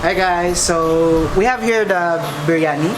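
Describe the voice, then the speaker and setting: A man's voice: sits high, measured pace, reverberant, loud music behind the voice, poor audio. A man, a chef, explaining the history of dishes in a teacherly way. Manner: explanatory, switching languages. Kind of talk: explaining food to a vlogger.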